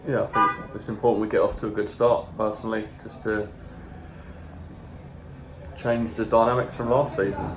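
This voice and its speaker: A man co-hosting a casual football chat, giving measured, plain opinions. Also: on the low side, little pitch movement, heavy background noise. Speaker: podcast co-host. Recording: echoey room.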